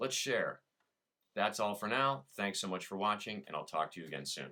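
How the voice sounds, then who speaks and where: A man's fairly low voice with a bright, sharp tone, vocal fry and an American accent, at a moderate pace. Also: lively intonation. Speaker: voice actor. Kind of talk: casual talk to camera.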